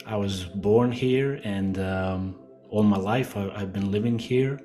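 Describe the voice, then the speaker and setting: A middle-aged man from Croatia, a guest speaking slowly and hesitantly with many fillers in a casual interview. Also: lowish voice, dark tone, faint music behind.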